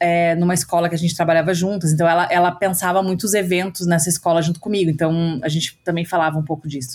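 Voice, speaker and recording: A woman's fairly low voice at a very fast pace. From Brazil. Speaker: graphic designer. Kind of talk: casual chat.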